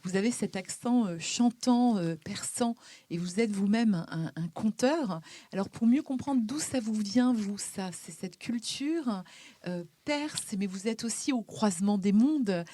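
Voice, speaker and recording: A woman hosting a radio interview, asking measured and polite questions. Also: mid-range voice, animated, dark tone.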